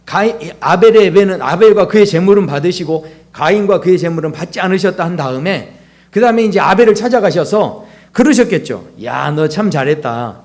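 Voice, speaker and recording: A man's voice: sits high, expressive, brisk, darkish tone. A male pastor delivering a conversational sermon, asking rhetorical questions and acting out quoted dialogue.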